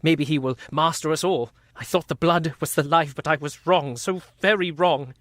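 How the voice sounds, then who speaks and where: A man's voice: a little high, moderate pace, fairly bright tone, no echo, close to an everyday voice. An actor playing a guilt-ridden, rambling asylum madman in a community radio play, swinging from mutters to frantic cries. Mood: haunted.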